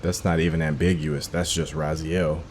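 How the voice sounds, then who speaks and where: A man's voice: rumbling low, flat delivery, moderate pace, a little mellow, a little hiss or hum. A man hosting a game playthrough, chatting casually with enthusiastic, slangy comments. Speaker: gaming channel host.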